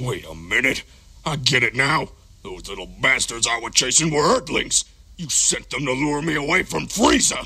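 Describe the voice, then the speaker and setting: A man's growling, put-on character voice at a fairly high pitch and a moderate pace. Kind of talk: comic parody voice acting. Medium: fan dub. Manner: gruff, crude, blustering.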